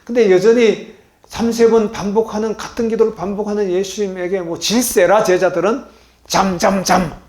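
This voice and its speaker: A man preaching a sermon as a pastor to a congregation at a healing retreat center. He asks the congregation questions and swings between loud and soft. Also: high-pitched, steady tone, normal speed, a little hiss or hum. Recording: echoey hall.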